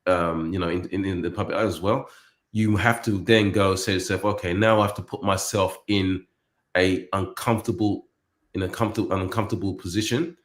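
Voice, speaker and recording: A man's voice: sits low, steady tone, brisk. A man hosting a casual chat, rambling with many restarts and repeated words. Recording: roomy echo.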